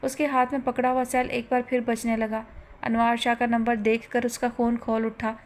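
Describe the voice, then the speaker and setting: A woman reading a romance novel aloud as an audiobook narrator, steady and even. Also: a little high, normal speed, a little hiss or hum.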